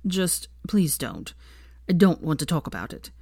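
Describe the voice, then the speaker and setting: A smug young wizard drawls his lines low and slow, as a woman reads him. His tone is dry and weary, with a hint of sly amusement. The sound is close and dry. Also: sing-song, dark tone, breathy edge, no echo, exaggerated voice.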